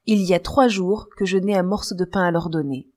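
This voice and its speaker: A woman's voice: lowish voice, brisk, a little mellow, lightly acted. A woman voicing a pleading old beggar woman.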